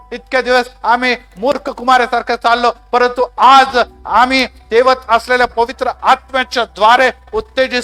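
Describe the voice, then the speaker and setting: Guy preaching hard at a church meeting then praying, high voice, faint music under it. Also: bright, forceful tone, clear, resonant tone. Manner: fervent preaching with repeated exclamations. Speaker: pastor. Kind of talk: sermon and closing prayer. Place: church gathering.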